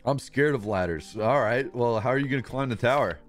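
Joking young streamer with a strained voice. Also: male voice, mid-range voice, fairly quick, faint music behind. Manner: crude, joking, wry asides. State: voice getting strained. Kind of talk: casual gameplay commentary, reading game text aloud. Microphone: streaming microphone.

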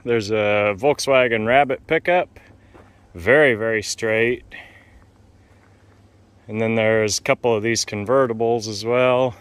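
A man calmly narrating a casual walk-around tour of a wooded car lot outdoors, in matter-of-fact, unhurried remarks. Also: lowish voice, clear, resonant tone, no echo. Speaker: vlogger touring a car lot.

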